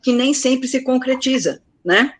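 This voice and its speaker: Woman chairing a panel, rambles a lot with fillers, highish voice. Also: unhurried. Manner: rambling, many fillers and restarts. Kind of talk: academic discussion.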